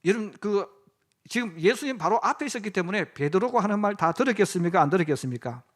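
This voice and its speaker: A man's voice: high-pitched, expressive, quick pace. A middle-aged man preaching a sermon as pastor, acting out quoted lines in dramatic voices.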